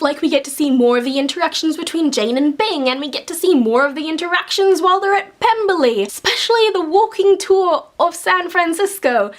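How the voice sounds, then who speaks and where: Bubbly high-voiced young woman vlogger. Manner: chatty and gushing, jumps into playful mock voices. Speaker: book vlogger. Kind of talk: casual book review to camera.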